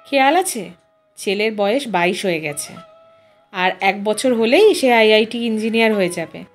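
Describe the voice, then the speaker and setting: A woman's voice: mid-range voice, lively intonation, normal speed, soft background music, close to an everyday voice. A woman voicing a middle-aged wife and mother in an audio story, coy and mock-scolding as she mildly protests.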